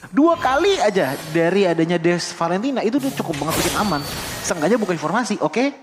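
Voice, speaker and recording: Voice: mid-range voice, very animated, quick pace. An esports commentator with an Indonesian accent, giving live analysis of a game. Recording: loud music behind the voice. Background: music.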